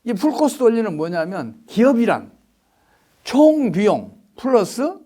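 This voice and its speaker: A man's voice: high voice, sing-song, a little slow, mellow. A man, an economics expert, giving emphatic interview answers full of rhetorical questions.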